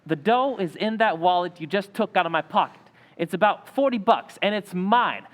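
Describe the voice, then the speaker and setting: Man playing a high-voiced, defensive young suspect. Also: animated, normal speed. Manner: indignant, slangy. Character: defensive, hot-headed young male robbery suspect. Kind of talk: old-time radio drama acting.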